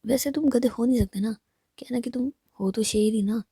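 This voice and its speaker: Woman narrator as a sulky, teasing young woman, husky whisper, dry close sound. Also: a little high, fairly quick, mellow, no echo. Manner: whispered, scolding.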